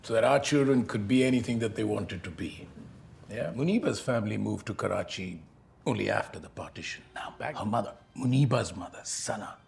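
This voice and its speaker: A man's voice: lowish voice, fairly quick, creaky, darkish tone. An actor playing a middle-aged father earnestly telling his family's history. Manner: earnest, storytelling.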